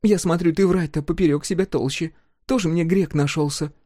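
A man voicing a practical, sharp-tongued peasant woman in a storybook reading, speaking in a brisk, scolding whisper. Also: fairly high pitch, fairly even intonation, dry recording, studio quality, pitched above the performer's own voice, natural voice.

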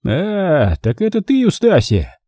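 A man's voice: on the high side, wildly swooping pitch, slow, gravelly, dark tone, husky, no room sound, studio quality, pitched above the performer's own voice, heavily acted. A man doing a curt, decisive uncle. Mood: brusque. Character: tall, brusque, decisive uncle.

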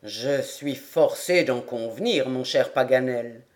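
A woman voicing a good-humoured male nobleman speaking in an amused, gently laughing tone in an audiobook. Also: very deep voice, takes it slowly, voice pushed down.

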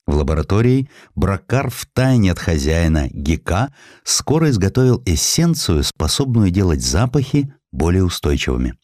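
A man's voice: sits low, sing-song, normal speed, darkish tone, no room sound, clean studio sound. A man narrating a historical essay as an audiobook, reading expressively and giving the characters voices in their quoted lines.

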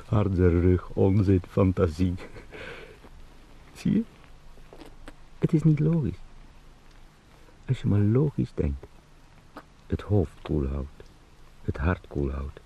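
An actor playing an anxious travelling salesman in a radio drama, muttering haltingly and repetitively to himself in a gravelly voice. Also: deep voice, big pitch swings, warm tone, highs cut off, a little hiss or hum, exaggerated voice. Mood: bewildered, rationalizing.

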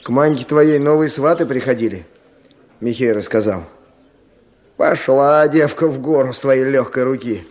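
A man's voice: mid-range voice, normal speed, darkish tone, close to an everyday voice. An actor playing a brash, teasing young village man in a Russian radio drama, with a colloquial rustic manner. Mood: goading. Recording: radio play with music underneath.

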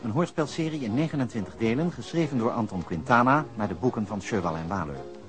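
A man's voice: mid-range voice, expressive, fast talker. A man reading the scripted announcement that introduces a radio drama serial. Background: music.

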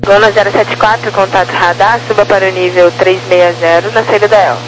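A woman's voice: medium pitch, fairly even intonation, fairly quick. A woman with a Brazilian accent working as a radar controller, giving procedural instructions over the radio. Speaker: radar air traffic controller. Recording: noisy air traffic radio channel.

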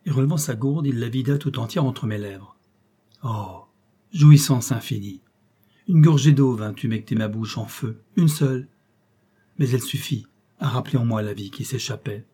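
A man narrating a classic novel in a steady, expressive reading. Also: mid-range voice, moderate pace, husky. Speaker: audiobook narrator. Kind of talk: scripted narration.

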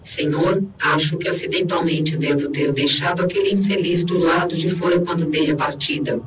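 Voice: medium pitch, steady tone, moderate pace, a bit bright, lightly acted. An actor playing a stern, formal starship crew member in an audio drama. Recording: echoey, distant, music behind.

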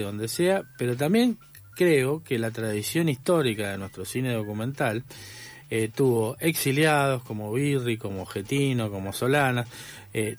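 A documentary film director with an Argentine accent, speaking reflectively in a radio studio interview and pausing often on filler sounds. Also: male voice, medium pitch. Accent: Argentine Spanish.

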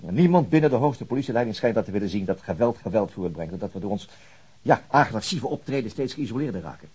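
Weary policeman, very husky, animated pitch, halting, reflective, principled, radio drama. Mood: earnest, troubled. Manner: halting, reflective, searching for words. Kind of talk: naturalistic Dutch radio drama acting.

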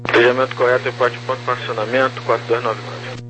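Speaking fast in a level, mid-range tone, a man working as an air traffic controller issues clipped procedural instructions over a walkie-talkie style two-way radio, with music underneath. The radio audio is noisy, carrying loud hum and static.

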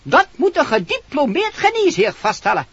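A man playing a concerned, precise dwarf in a radio fairy tale, speaking earnestly and deliberately. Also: very high-pitched, wildly swooping pitch, exaggerated voice. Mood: worried. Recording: dull old radio recording, faint noise.

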